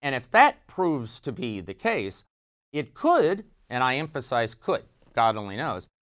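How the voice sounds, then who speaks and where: A man's voice: medium pitch, sing-song, normal speed, fairly bright tone. A man delivering spoken news commentary, emphatic and stopping to repeat words as he rephrases.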